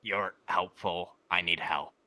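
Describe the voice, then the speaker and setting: A man roleplaying a gruff, grudging adventurer who talks bluntly in terse grumbles. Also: low-pitched, fairly even intonation, takes it slowly, bright, forceful tone, dry recording, exaggerated voice. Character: gruff, grudging, surly adventurer needing help. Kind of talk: improvised virtual reality roleplay.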